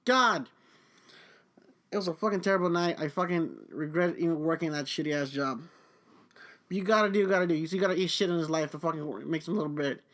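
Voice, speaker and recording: Speaking at a quick pace in a slightly high, somewhat bright voice, a young man uses his podcast to rage about his job. The monologue is angry and loaded with profanity.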